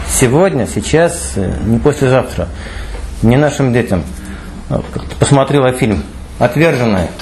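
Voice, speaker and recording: A man's voice: a little mellow, slight background noise, rough recording. A middle-aged man speaking off the cuff at a meeting, emphatic and repetitive, his voice rising when he urges people on. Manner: emphatic, repeats phrases, pitch climbs when urging. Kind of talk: impromptu public speech.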